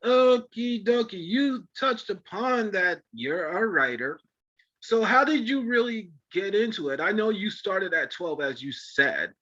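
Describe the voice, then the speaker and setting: A man hosts an interview with a bright, forceful voice, sitting a little high for a man. He talks in an effusive, affectionate and rambling way. The audio sounds dull and lo-fi. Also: lively intonation, a little slow. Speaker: podcast host. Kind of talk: casual interview chat.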